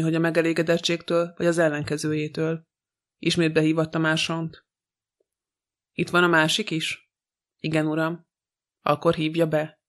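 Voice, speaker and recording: A man narrating a detective novel as an audiobook, reading in an even, steady way. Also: a little high.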